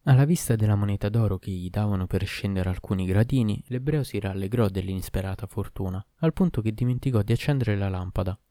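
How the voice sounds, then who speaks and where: A man reading a folk tale aloud as narrator, in a measured storybook way. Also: fairly low pitch, mellow, no room sound.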